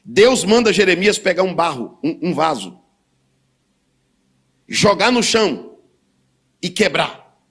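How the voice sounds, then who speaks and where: A man's voice: big pitch swings, slow, pauses often, breathy edge. Fiery Brazilian preacher man. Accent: Brazilian Portuguese. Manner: fiery preaching, swings from low murmurs to loud bursts. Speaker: pastor. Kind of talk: sermon.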